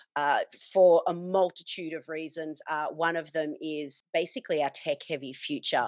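In a very clean recording with a silent background and a dry, close sound with no echo, a woman with an Australian accent talks at a moderate pace in a fairly low pitch. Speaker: commodities analyst and geology student. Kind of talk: casual interview chat. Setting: video recording.

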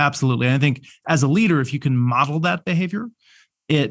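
A man with an ordinary speaking voice and ordinary pitch variation. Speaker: company founder or CEO. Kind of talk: interview. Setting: office.

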